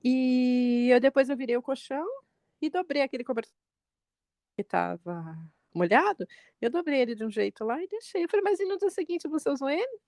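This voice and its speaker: A woman in her forties, a mother co-hosting a podcast, telling a family story in lively chat and jumping up in pitch when she quotes people. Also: fairly quick, dry recording, clean studio sound. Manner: animated retelling, quotes her son with pitch jumps.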